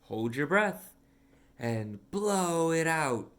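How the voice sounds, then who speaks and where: Man as mother cat, storybook, wise, calm, unhurried. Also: a little high, clear, resonant tone, pitched above the performer's own voice, heavily acted. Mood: calm, reassuring.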